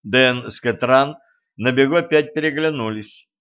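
A man's voice: medium pitch, moderate pace, a bit bright, clear, resonant tone, dull audio. Man narrating an audiobook.

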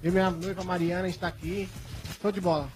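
A fan talks fast and high in an excited, slangy way, interviewed outdoors on a stadium pitch. Music plays clearly behind him. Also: male voice. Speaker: listener and fan. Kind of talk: live on-site interview.

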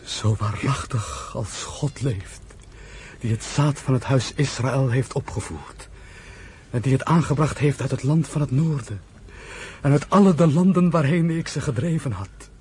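An actor playing an emotional, disillusioned young Jewish migrant in an impassioned radio play style, with a husky voice. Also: male voice, mid-range voice, a little slow, darkish tone, a little hiss or hum, close to an everyday voice. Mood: awed, overjoyed. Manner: impassioned, exclaiming. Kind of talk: Dutch radio play acting.

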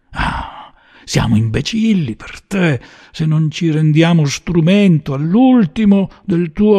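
A bitter young man, cornered by despair, speaks with cold scorn, put on by a male reader. The voice is gravelly and husky, its delivery unhurried and heavy. The contempt mounts into a rant. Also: a little high, a little mellow, voice pushed up, exaggerated voice. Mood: scornful rant. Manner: grim, scornful, rising to a rant.

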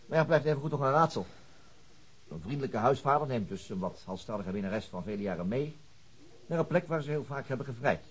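An actor playing an earnest, thoughtful police chief inspector in naturalistic radio drama dialogue. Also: male voice, medium pitch, animated, fairly quick, husky, rough recording. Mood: reflective.

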